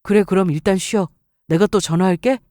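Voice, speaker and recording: A woman voicing a considerate, practical young fiancé in a story, gentle and matter-of-fact. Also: mid-range voice, brisk, dry recording, studio quality, natural voice. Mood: concerned.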